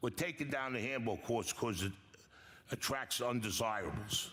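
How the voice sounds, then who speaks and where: Music plays in the background as a man speaks. His voice sits at medium pitch and moves at a moderate pace. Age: 60s. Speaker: resident speaking at public comment. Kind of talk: public comment at town meeting. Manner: halting.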